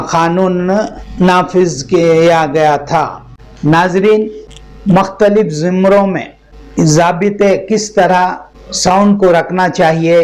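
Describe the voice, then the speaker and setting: Higher-pitched man presenting the news. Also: a little mellow, rough recording. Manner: formal Urdu-laden diction. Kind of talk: scripted news narration.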